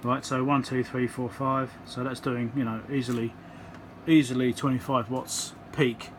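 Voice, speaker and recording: An electronics repair presenter talking casually as he works at his home workbench, thinking aloud with frequent ums and pauses. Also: medium pitch, level tone, slight background noise. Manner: thinks aloud with many ums, counts into the mic.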